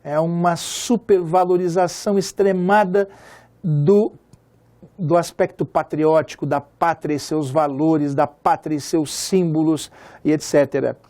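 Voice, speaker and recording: A male teacher with a Brazilian Portuguese accent gives a chatty literature lesson, often checking that his listeners follow along and slowing down to recite lines of verse. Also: fairly high pitch, steady tone, dark tone. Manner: chatty, asks class for agreement; slows to recite poem lines.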